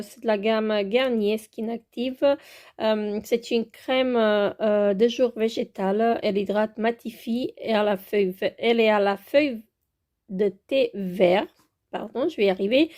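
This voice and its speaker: A woman's voice: a little high, darkish tone. A woman with a French accent showing her skincare products in a casual vlog, hesitant and full of filler sounds, moving around as she handles them. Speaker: beauty vlogger. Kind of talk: casual product show-and-tell.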